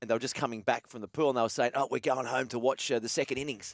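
The speech comes at a very fast pace. The sound is dry and close with no echo, on a very clean recording with a silent background. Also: man. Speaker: sports radio host. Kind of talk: casual chat. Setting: studio.

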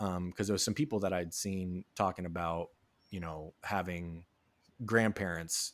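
This man has an unremarkable speaking voice. His pitch sits fairly low and varies in an ordinary way. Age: 30s. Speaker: podcast co-host. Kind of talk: casual chat. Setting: video call.

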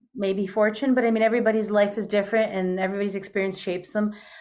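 With an American accent, a woman speaks at a fairly high pitch in a monotone, flat intonation against a quiet background. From New York, Argentine family. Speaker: hypnosis teacher and healer. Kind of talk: interview. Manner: fast.

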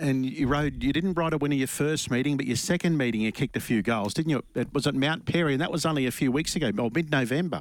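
Talking at a very fast pace with an Australian accent, a man holds a fairly high pitch with ordinary pitch variation and very even loudness. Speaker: radio host. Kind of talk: radio sports chat.

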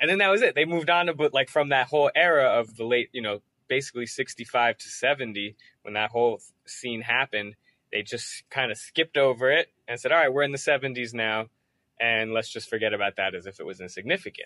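Here is an unremarkable speaking voice: a man at medium pitch with an American accent. He talks at a fairly quick pace with lively intonation and big swings in loudness. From New York City. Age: young. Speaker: filmmaker. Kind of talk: interview.

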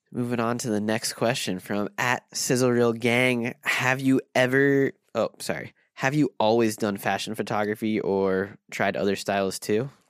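Speaking at a moderate pace, a man with an unremarkable speaking voice holds a medium pitch and fairly even intonation, in a dry, close sound with no echo on a very clean recording with a silent background. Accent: American. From Pennsylvania. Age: 30s. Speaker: podcast host, photographer. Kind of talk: casual interview. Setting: studio.

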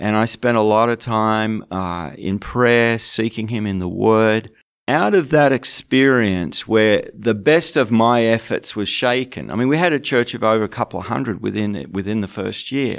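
A man with an Australian accent, medium pitch and ordinary pitch variation, at a moderate pace with hardly any pauses, in a very clean recording with a silent background. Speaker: missionary leader and author. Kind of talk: interview.

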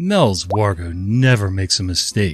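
A man speaks in a put-on character voice at a fairly low pitch. His pitch varies in an ordinary way, and his pace is moderate. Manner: condescending.

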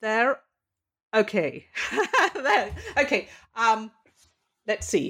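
Her words come very slowly. The woman's pitch shifts in a typical way. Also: very clean recording, silent background. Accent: London. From London, England. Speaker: poet and fiction writer. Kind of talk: interview. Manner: halting.

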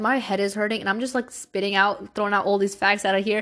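Very fast speech from a woman with an American accent, medium in pitch, against a quiet background. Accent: noticeable accent, remarked on by others. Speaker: podcast host. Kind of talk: casual monologue. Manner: relaxed, chill.

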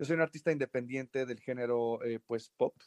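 With ordinary pitch variation and a moderate pace, a man speaks in an unremarkable speaking voice. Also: dry, close sound with no echo. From Mexico, Guadalajara. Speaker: independent musician, caller. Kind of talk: casual question from caller.

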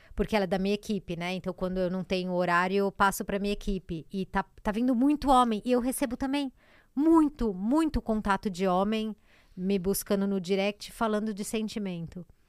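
On a very clean recording with a silent background, a woman speaks in a plain, everyday voice at medium pitch, with ordinary pitch variation and a moderate pace. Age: 40s. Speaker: psychologist. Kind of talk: casual chat.

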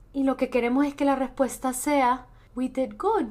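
At a moderate speed, the speaker keeps the intonation fairly even. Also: woman. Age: 30s. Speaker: podcast host. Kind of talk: solo reflective monologue.

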